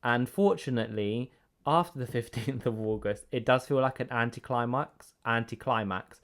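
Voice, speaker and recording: A man's voice: medium pitch, normal speed. Man with an English accent, easygoing podcast co-host, mid-range voice. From Greece. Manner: relaxed, chatty, with fillers. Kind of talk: casual podcast chat.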